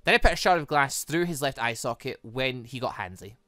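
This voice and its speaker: A man voicing a menacing, manipulative young woman villain in a visual novel, deliberate and coolly playful. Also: medium pitch, animated, pushed and bright, no echo, clean studio sound. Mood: cold, matter-of-fact. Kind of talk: visual novel character read-aloud.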